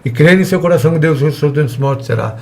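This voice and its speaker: A man's voice: fairly high pitch, very fast, vocal fry. A man teaching a church evangelism class in a conversational way, acting out little dialogues with the people he talks to. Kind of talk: church seminar lesson.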